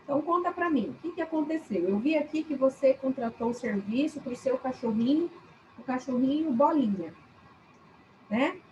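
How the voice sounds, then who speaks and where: High-voiced woman teacher, chatty. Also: lively intonation, normal speed, a little mellow, highs cut off, slight background noise. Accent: Brazilian Portuguese. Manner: chatty, addresses class as "gente", acts out examples. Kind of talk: classroom lecture on customer service.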